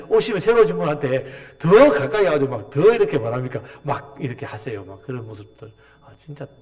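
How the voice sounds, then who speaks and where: A man's voice: on the high side, darkish tone. A middle-aged man preaching a sermon as a pastor, asking the congregation rhetorical questions and acting out the words of characters with mocking emphasis.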